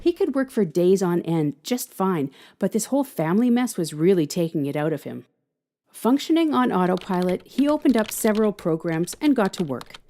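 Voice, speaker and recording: A woman reading scripted fiction as an expressive audio drama narrator. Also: medium pitch, moderate pace, slight background noise.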